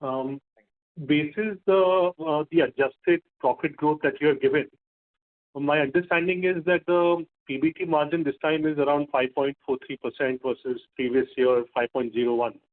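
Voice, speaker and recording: A man asking questions as an investment analyst on an earnings call, phrasing them haltingly. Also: a little high, fairly even intonation. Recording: narrow phone-like conference line.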